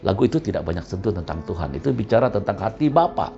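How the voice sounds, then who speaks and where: A male pastor tells a sermon story in a low, gravelly voice, acting out the voices of his characters. The recording is slightly muffled, with soft music in the background. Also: very animated, fast.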